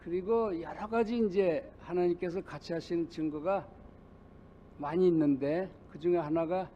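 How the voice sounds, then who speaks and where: An older male pastor preaching a sermon, telling a personal story in a halting way with many pauses. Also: high voice, lo-fi sound, slight background noise. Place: church sanctuary.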